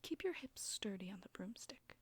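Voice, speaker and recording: A woman voicing a flirty, bossy witch who teaches broom riding, in a soft breathy ASMR roleplay whisper. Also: mid-range voice, expressive, moderate pace. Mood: instructive. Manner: teasing, bossy, instructive. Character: flirty, sassy witch broom-riding instructor, condescending but coaxing.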